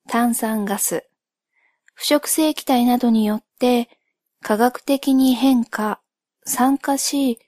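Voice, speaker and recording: A woman speaking softly in a gentle, polite and measured way, as in a calm ASMR-like explanatory monologue by a solo host. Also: fairly high pitch, dry recording, clean studio sound. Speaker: host of a solo spoken channel.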